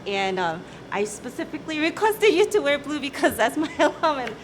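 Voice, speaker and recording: A woman's voice: high-pitched, big pitch swings, brisk, soft background music. A woman in her late thirties, a company CEO from South Korea, talking casually in an interview, chatty, laughing easily and often asking "right?".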